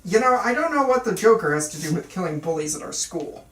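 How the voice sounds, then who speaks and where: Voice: mid-range voice, sing-song, quick pace, fairly bright tone. A person reading a supporting part at an amateur script table read in a casual, questioning way. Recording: echoey room, distant from mic.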